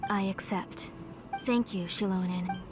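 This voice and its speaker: A woman's voice: mid-range voice, steady tone, unhurried, lightly acted. A woman playing an anxious, protective middle-aged mother in a video game, with music under her voice. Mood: grateful. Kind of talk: English video game voice acting.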